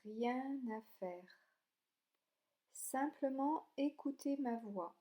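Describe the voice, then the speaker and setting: A woman leading a guided yoga relaxation, speaking calmly and soothingly in short, gentle instructions with pauses between them. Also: sits high, lo-fi sound. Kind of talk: slow guided meditation narration.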